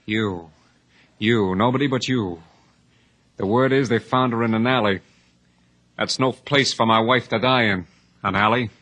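A man's voice: lowish voice, a little slow, long pauses, fairly bright tone. A man playing a hardened, menacing escaped bank robber in 1950s radio drama style, speaking in clipped tough-guy phrases. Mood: brooding, bitter.

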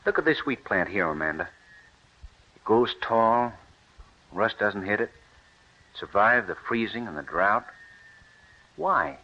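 An earnest young farmer-scientist, low voice but very lively, old muffled radio play. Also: male voice, slow, pauses often, exaggerated voice. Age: young adult. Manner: earnest and intense. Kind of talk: 1940s radio acting.

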